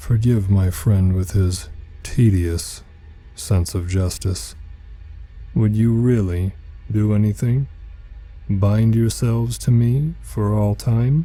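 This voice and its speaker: This man uses a put-on character voice pitched fairly low. He leaves long, frequent pauses. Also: fairly slow pace. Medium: read story. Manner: cold, disdainful.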